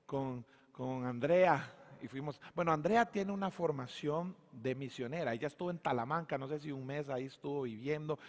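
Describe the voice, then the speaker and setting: A man, preaching a sermon as pastor, telling stories animatedly and booming on key points. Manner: animated storytelling, voices characters, booming emphasis. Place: church sanctuary.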